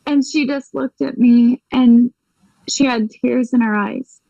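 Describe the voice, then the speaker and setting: A woman with a slightly high voice tells a personal story as an interview guest, acting out each exchange vividly. She speaks as a medium recounting her experiences. The sound is dry and somewhat dull. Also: steady tone, slow, creaky, dark tone, no room sound. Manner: vivid storyteller, acts out quoted dialogue, laughs often.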